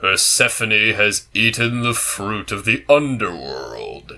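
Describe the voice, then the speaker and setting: Someone talks in a put-on character voice at a fairly slow pace. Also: man, medium pitch for a man. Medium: read story. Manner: cool.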